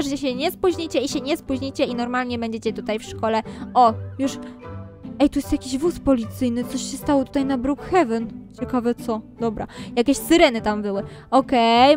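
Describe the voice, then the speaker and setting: A woman playing a harried mother in a Roblox role-play, chatting to viewers as she fusses over a crying baby. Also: high-pitched. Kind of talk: game role-play narration.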